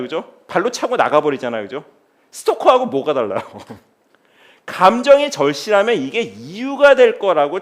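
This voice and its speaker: A middle-aged man, a philosophy teacher, giving a lively lecture to a studio audience and often putting rhetorical questions to them. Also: a little high. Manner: animated, keeps asking the audience rhetorical questions.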